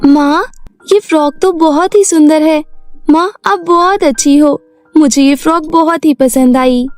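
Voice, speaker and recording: A gentle fairy girl with a high, sweet voice coaxes and pleads in a cartoon story, as a woman plays her. Her speech is soft and kind, with faint music underneath. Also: measured pace. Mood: pleading.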